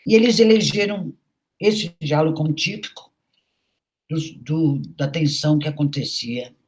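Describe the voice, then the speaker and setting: A woman's voice: deep voice, unhurried, a little mellow. A middle-aged woman, a university professor, giving a recorded lecture in an anecdotal, storytelling way with frequent conversational tags.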